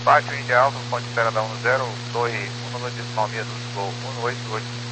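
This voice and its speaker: A man's voice: medium pitch, fairly even intonation, fast. A man with a Brazilian accent speaking as an airline pilot, making clipped readbacks over a walkie-talkie style radio. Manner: clipped, procedural. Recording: very noisy radio with mains hum.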